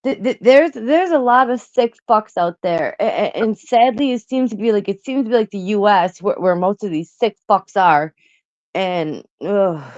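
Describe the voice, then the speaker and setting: A woman's voice: mid-range voice, normal speed, darkish tone, no room sound. A woman hosting a reaction chat who stutters, repeats words and swears freely. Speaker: host reacting to an interview. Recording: dull lo-fi dry sound.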